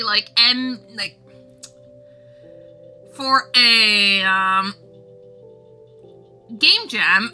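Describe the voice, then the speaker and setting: A woman's voice: on the high side, bright, forceful tone. A woman livestreamer chatting casually with her viewers in a rambling, exclamatory way. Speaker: livestreamer and game developer.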